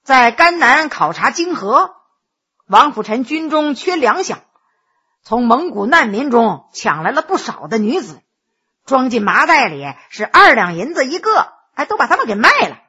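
Earnest young male scholar, measured and wry, voiced by a woman; bright, expressive delivery. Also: high-pitched, slightly rough, exaggerated voice. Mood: reflective.

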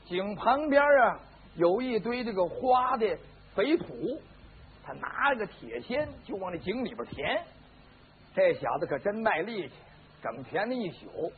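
Dramatic male storyteller, lo-fi recording. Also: high voice. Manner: vivid, dramatic, with sound effects. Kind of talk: traditional oral storytelling. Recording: lo-fi phone-like band with faint hiss.

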